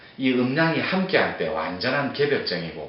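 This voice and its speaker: Over noticeable background noise and audible room echo, a man speaks at medium pitch and a moderate pace, his pitch swinging very widely. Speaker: meditation teacher. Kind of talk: lecture.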